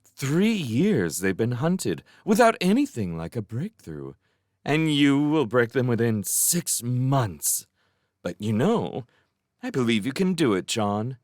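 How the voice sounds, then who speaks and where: A man's voice: mid-range voice, big pitch swings, takes it slowly, a little mellow, no echo, studio quality, pitched above the performer's own voice. A man reading aloud, voicing a poised young woman who speaks sweetly and teases with a sly, condescending edge. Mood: mock admiring.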